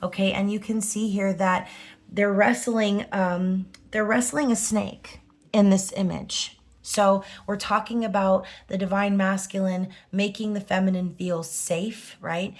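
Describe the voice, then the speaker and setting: A woman doing a casual tarot reading, her voice hoarse and scratchy, who talks in a chatty way, tags her lines with "okay?" and "right?" and swears now and then. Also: mid-range voice, fairly even intonation, a little slow. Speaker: tarot reader.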